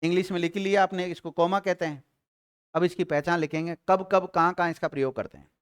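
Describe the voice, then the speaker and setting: A man teaching a grammar class to students, asking questions and answering them himself, and dictating notes slowly with repeated phrases. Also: high-pitched, steady tone, clear, resonant tone. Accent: Rajasthani Hindi.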